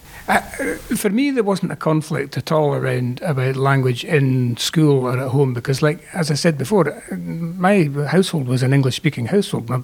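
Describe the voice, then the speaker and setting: A man with a Scottish accent speaks at a fairly high pitch with lively intonation. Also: moderate pace. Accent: Scots-tinged Scottish English. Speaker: novelist. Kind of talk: conversation. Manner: thoughtful, hesitant.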